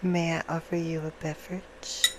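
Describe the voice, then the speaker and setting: Woman playing a hushed, low-voiced seductive vampire hostess. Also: flat delivery, lightly acted. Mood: soothing, inviting. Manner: slow, hushed, half-whispered, drawn-out theatrical phrasing. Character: seductive, courtly female vampire hostess, soothing and sinister. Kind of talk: ASMR roleplay, bedtime storytelling. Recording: clear background noise.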